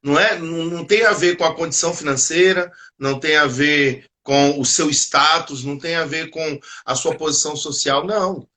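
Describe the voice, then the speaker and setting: A man's voice: fairly high pitch, moderate pace, few pauses, sharp tone. A man in a casual devotional chat on a video call, explaining ideas in a reflective way. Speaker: participant in a Bible discussion.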